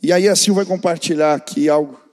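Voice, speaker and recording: A man's voice: on the high side, brisk. A man preaching a conversational sermon as a pastor, telling family anecdotes. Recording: church hall reverb.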